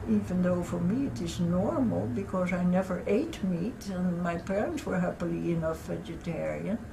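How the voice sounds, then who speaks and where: A woman at a moderate pace, very even in loudness, with noticeable background noise. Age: 80s+. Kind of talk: interview answer.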